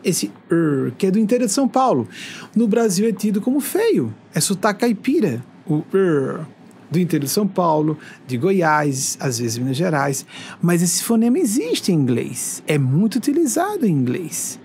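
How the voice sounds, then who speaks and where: A spiritual speaker in his forties, from Brazil's northeast, talks to viewers at a moderate pace in a high-pitched voice. He delivers a conversational monologue full of lively stories where he acts out what people said, with a little background noise behind him.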